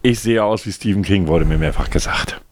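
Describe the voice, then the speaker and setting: A man's voice: sits low, fairly quick, no room sound, studio quality. A man co-hosting a casual podcast, joking and rambling with a self-satisfied tone. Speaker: podcast co-host.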